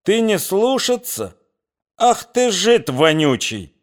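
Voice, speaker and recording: A man's voice: high voice, big pitch swings, takes it slowly, voice pushed up, heavily acted. A man putting on a nasal bullying thug. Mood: bellowing. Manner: bellowing, bullying. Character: nasal brutish red-haired man, thug and police informer.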